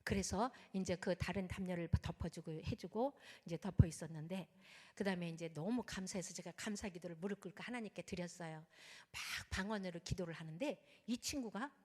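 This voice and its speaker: Her voice low-ish and a little fast, a woman pastor delivers an animated sermon story in a church sanctuary. She plays out the people's prayers and speech, with church hall reverb around her.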